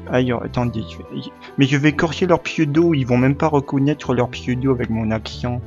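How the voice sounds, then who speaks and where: A man's voice: mid-range voice, moderate pace, a little mellow. A man chats casually as a gaming channel host, rambling along with plenty of filler and self-corrections in a mid-range voice. The recording is somewhat dull and lo-fi, with faint music in the background. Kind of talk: casual chat to camera.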